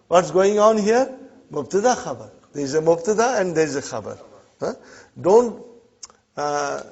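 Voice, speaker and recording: A man's voice: on the high side, a little mellow, breathy edge. Lo-fi recorded Arabic teacher, man. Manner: checks in often with "huh?" and "brothers and sisters". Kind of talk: classroom grammar lesson. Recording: dull lo-fi classroom recording.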